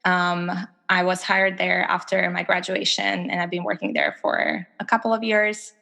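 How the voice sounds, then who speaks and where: Gravelly young woman from Albania. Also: on the low side, moderate pace, pushed and bright, big-room sound. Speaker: guest therapist. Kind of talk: podcast interview.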